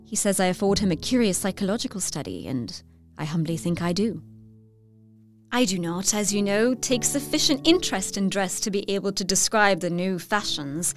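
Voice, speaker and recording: A woman's voice: medium pitch, animated, normal speed, lightly acted. A young woman playing a lovestruck, confiding Victorian lady reading her letter in an audio drama, effusively. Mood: chatty, confiding. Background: music under the voice.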